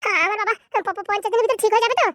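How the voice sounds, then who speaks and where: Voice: extremely high pitch, fairly even intonation, rapid-fire, sharp tone, dry recording, clean studio sound. A performer voicing a worried grown son in a cartoon comedy who pleads anxiously about his sick father.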